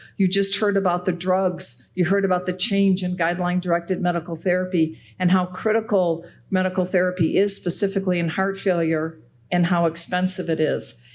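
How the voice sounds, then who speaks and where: Speaking at a fairly quick pace, a woman with a Chicago accent keeps a medium pitch, fairly even intonation and very even loudness. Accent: Chicago American English. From US Midwest, Chicago. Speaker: cardiology association president, former nurse. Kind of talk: conference keynote speech. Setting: conference auditorium. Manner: fast.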